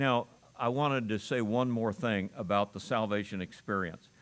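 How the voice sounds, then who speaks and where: A man with an American accent and an ordinary speaking voice, medium pitch, ordinary pitch variation, at a fairly slow pace, on a very clean recording with a silent background. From US Midwest, Ohio. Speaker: pastor. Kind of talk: sermon. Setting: church.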